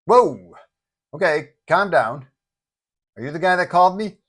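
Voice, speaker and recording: A man's voice: high-pitched, expressive, unhurried, pitched above the performer's own voice. A man voicing a breezy, earnest male superhero in an audio story, talking in a casual, upbeat way. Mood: breezy, surprised.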